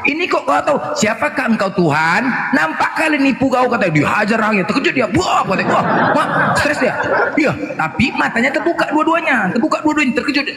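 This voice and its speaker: Loud mocking debater. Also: male voice, very high voice, expressive, fast talker, gravelly. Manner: loud, mocking, acts out story voices. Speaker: debater in an online religious debate. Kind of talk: heated debate banter. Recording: echoey roomy voice chat with faint noise.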